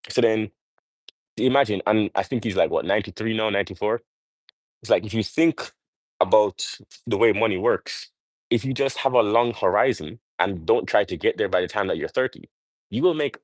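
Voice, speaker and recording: A man's voice: on the low side, dry recording. A man hosting a motivational live stream, speaking off the cuff and emphatically, often checking for agreement with rhetorical questions. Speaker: motivational livestream host.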